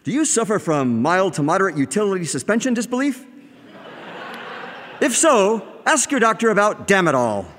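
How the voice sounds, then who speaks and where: A slick pharmaceutical-commercial announcer from a radio comedy, played by a man. His voice sits high and swings widely in pitch. There is a long reverb and faint noise behind him. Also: very animated, moderate pace, fairly bright tone. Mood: salesy. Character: smooth adult male drug-ad announcer.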